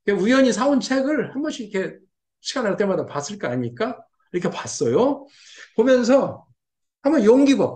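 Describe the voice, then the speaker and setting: A middle-aged man giving an explanatory lecture on old texts, repeating each term and acting out reactions in lively asides. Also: sits high. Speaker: lecturer on classical fortune-telling texts. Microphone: seen on camera.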